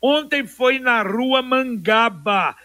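A man's voice: very high voice, animated, slow, pushed and bright, dry recording, studio quality. A man presenting weather and local news informally on radio, with conversational asides.

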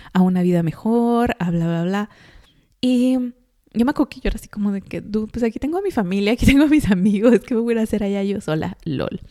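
A woman's voice: lowish voice, dark tone, dry recording, clean studio sound. A young woman with a Mexican accent, hosting a podcast, talking casually in a rambling way full of fillers. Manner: chatty, rambling with many fillers and laughs. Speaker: podcast host. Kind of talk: casual monologue. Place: home in Chicago.

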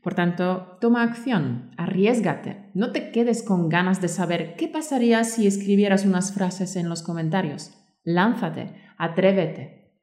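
A woman's voice: on the low side, lively intonation, a little slow, a little mellow, echoey room. A woman hosting a language-learning podcast, speaking to listeners in an encouraging, motivational way and reading aloud. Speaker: podcast host and Spanish teacher.

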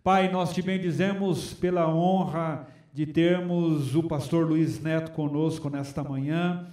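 A man's voice: on the high side, fairly even intonation, a little slow, a little mellow, reverberant. A man serving as host pastor, welcoming a guest in a friendly way and leading prayer. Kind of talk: church service hosting and prayer.

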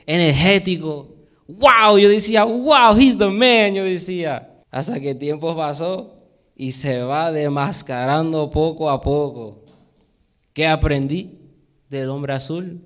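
A man preaching a sermon, lively, quizzing his congregation and dropping in English phrases. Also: high voice. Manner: lively, asks the congregation questions.

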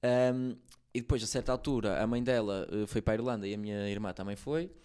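A man's voice: on the low side, steady tone, fast talker, darkish tone, clear, resonant tone. A man from Portugal with a European Portuguese accent, chatting casually and in slang as a rapper being interviewed. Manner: slangy, informal. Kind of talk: casual chat.

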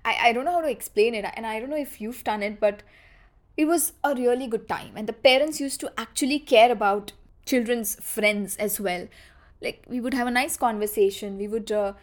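A woman in her thirties with a fairly high voice and a South Asian accent hosts a casual solo podcast. She reminisces conversationally, repeating phrases for emphasis. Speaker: podcast host.

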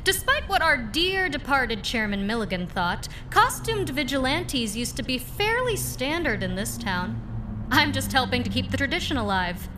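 A woman's voice: high-pitched, big pitch swings, moderate pace, noisy background. A young woman playing a cheeky, theatrical masked vigilante in a pulp radio drama, self-assured and showy. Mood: cocky, teasing.

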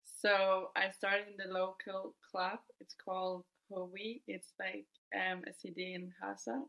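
A woman in her twenties from Denmark, telling her story as a guest in a podcast interview, relaxed and thoughtful. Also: mid-range voice, a little slow, vocal fry. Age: 20s. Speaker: guest footballer.

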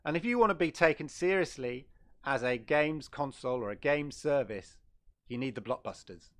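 A man's voice: medium pitch, animated, normal speed, fairly bright tone. A middle-aged man hosting a casual gaming livestream, chatting loosely and often correcting himself. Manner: rambling, chatty, self-correcting. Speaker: gaming channel host.

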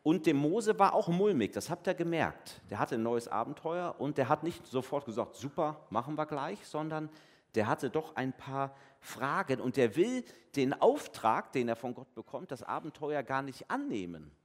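Lively man preaching in a reverberant church. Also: medium pitch, moderate pace. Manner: lively, conversational, acts out voices in retold dialogue. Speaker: pastor. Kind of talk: family service sermon.

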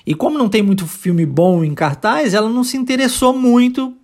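Brazilian Portuguese-accented English teacher, patient and clear, breaks down pronunciation and repeats lines slowly for learners. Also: medium pitch, a little mellow. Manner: patient, explains step by step and repeats phrases slowly. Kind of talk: podcast language lesson.

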